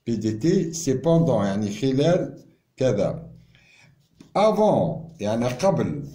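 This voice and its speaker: A man gives an informal pharmacy lesson, explaining terms slowly, mixing in French and stalling with repeats. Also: medium pitch, big pitch swings, dark tone, echoey room. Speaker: pharmacy teacher.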